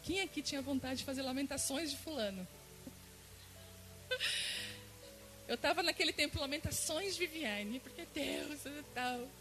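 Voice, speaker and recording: A woman's voice: high voice, moderate pace, long pauses, a bit bright, soft background music, low-quality recording. A woman pastor from Brazil preaching a sermon in church, emotive, repeating words for emphasis and acting out her own prayers. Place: church service.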